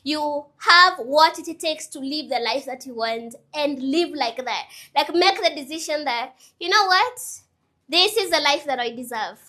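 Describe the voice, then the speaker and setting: This motivational vlogger, a woman in her 20s, addresses the camera with earnest, chatty encouragement, restating points and adding casual asides. Her high voice is animated, pushed and bright, delivered at a measured pace.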